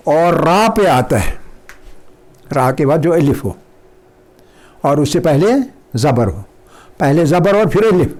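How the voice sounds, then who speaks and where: Brief: middle-aged man, Urdu accent, fairly high voice, slow drilled recitation teaching. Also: darkish tone. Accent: South Asian Urdu. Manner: repeats words slowly, stretching each sound for students.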